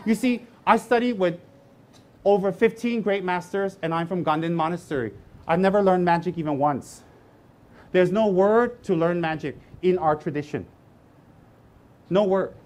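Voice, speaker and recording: A man's voice: high-pitched, moderate pace, pauses often, darkish tone. A man giving a dharma talk as a Buddhist teacher, blunt and humorous, repeating phrases for emphasis.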